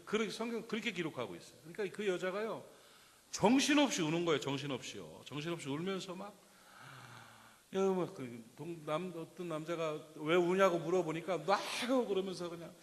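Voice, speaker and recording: Male pastor, storytelling sermon, slightly high voice, asks the congregation questions, long church reverb. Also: a little fast. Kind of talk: Sunday sermon. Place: church sanctuary.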